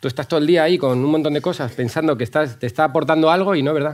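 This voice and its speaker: Pitched fairly high, a man speaks at a very fast pace. His pitch varies in an ordinary way. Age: 40s. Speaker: panel guest. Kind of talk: panel discussion.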